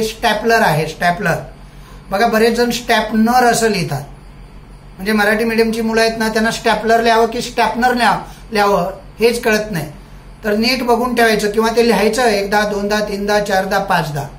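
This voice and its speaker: A man's voice: high-pitched, fairly bright tone. A male teacher giving a recorded lesson. He drills words over and over and keeps asking quiz-style questions. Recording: echoey room.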